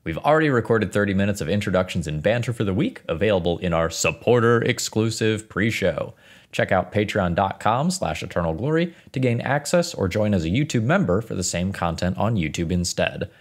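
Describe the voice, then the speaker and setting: A male podcast co-host with a very low voice that swings widely in pitch. He reads ads and lists items in a brisk, animated way. He sounds casual and practiced.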